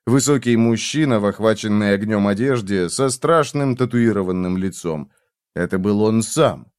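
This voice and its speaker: A man narrating an audiobook in a tense, expressive reading style. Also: on the low side, normal speed, clean tone, dry recording, clean studio sound.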